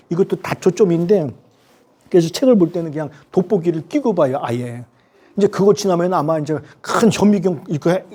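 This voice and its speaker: A man's voice: on the high side, mellow, slightly rough. A man in his sixties, a professor giving a university lecture, chatty and storytelling, with many rhetorical questions.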